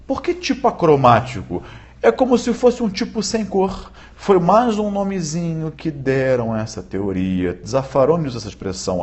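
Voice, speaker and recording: A man giving a live-streamed law lecture, often checking in with viewers and repeating key points slowly for emphasis. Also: on the high side. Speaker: law teacher.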